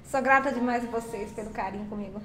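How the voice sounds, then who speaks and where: A woman's voice: on the high side, quick pace, a bit bright. A woman hosting a casual live stream, greeting viewers by name with pet names and chatty affection. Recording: roomy echo with faint background music.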